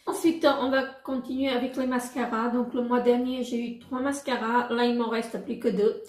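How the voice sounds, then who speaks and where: A woman vlogger casually showing her makeup products, halting often with fillers and restarts. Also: a little high, little pitch movement, a little mellow, roomy sound. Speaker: beauty vlogger.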